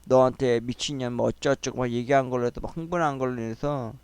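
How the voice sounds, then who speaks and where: A man hosting his own channel, telling a family quarrel story in a casual, agitated way and acting out the shouting. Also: medium pitch, fast talker, smooth, no echo. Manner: agitated, animated retelling, quoting people in raised voices.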